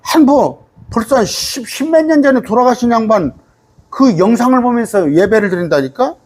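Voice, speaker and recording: A middle-aged man, a pastor, giving a conversational bible study sermon, asking his listeners rhetorical questions and reading scripture aloud slowly. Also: extremely high pitch, animated, a little mellow, husky. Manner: reads scripture aloud slowly, sometimes singing it.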